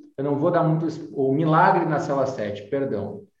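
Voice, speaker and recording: Fairly slow speech from a man, fairly high in pitch, in audible room echo. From Porto Alegre, southern Brazil. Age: young. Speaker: public prosecutor. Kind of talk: interview.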